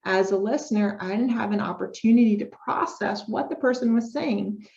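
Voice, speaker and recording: A woman's voice: mid-range voice, moderate pace, vocal fry, dark tone. A woman giving an informal speech therapy lecture, upbeat and explaining step by step with spoken demonstrations. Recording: dull lo-fi recording.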